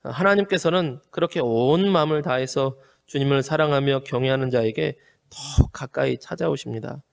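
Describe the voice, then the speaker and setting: A male pastor preaching an earnest, measured sermon with frequent hesitant fillers. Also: mid-range voice, vocal fry, long reverb tail. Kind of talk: home worship sermon.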